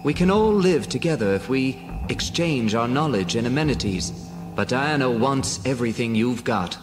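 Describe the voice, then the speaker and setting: A man voicing a sorrowful male alien rebel leader in a read-along story, speaking in a grave, measured way. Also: mid-range voice, animated, big-room sound, natural voice. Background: music.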